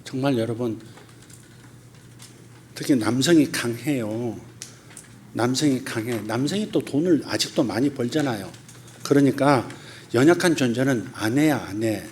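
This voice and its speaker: A middle-aged man preaching a sermon as pastor, talking colloquially and animatedly, laughing often and acting out quoted voices in sudden loud high bursts. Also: measured pace, long pauses, a little hiss or hum.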